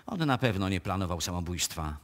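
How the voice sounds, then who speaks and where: An actor playing a discreet, polite small-town notary in a radio drama, formal and deliberate. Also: male voice, sits low, expressive, a bit bright. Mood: solemn, insistent. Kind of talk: live radio drama acting.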